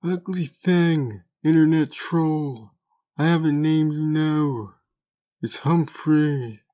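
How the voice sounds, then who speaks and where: A man's voice: a little high, slow pace, warm tone, lo-fi sound. A man voicing a smug, sly troll creature in an audio drama, with a sardonic, wheedling manner. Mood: sly, mock hurt. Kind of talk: audio drama character acting.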